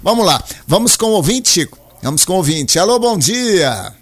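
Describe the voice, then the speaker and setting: A man's voice: high voice, very animated, moderate pace, soft background music. A male radio host, chatting loosely about football and taking listener calls, tagging his sentences with a questioning lilt. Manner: chatty, lilting, tags lines with "né?". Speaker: radio sports and call-in show host. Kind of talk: casual radio chat and sports commentary.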